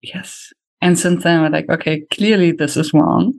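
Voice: medium pitch, steady tone, normal speed, creaky. A podcast host whose first language is German, speaking English with a German accent in a thoughtful, questioning way. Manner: thoughtful, asks questions, speeds up when explaining. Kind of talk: casual podcast conversation.

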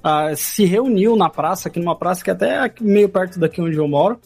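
A man telling a long story in a casual podcast chat, rambling and halting, full of filler phrases. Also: sits high, gravelly, darkish tone, husky, soft background music.

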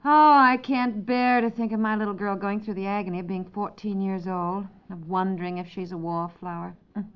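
A woman's voice: mid-range voice, fairly even intonation, normal speed, clear, resonant tone, lightly acted. An actress playing a wry, sensible, fretful suburban mother in a naturalistic, conversational 1950s radio comedy. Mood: wistful, fretful. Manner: conversational, gently wry, dramatizing her worries. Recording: dull vintage 1950s radio recording.

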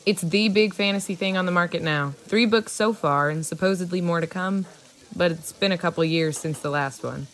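An actress playing an easygoing small-town mother in an audio drama, folksy, teasing and gently scolding. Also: on the low side, moderate pace, lightly acted. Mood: matter-of-fact, chiding. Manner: folksy, teasing, matter-of-fact.

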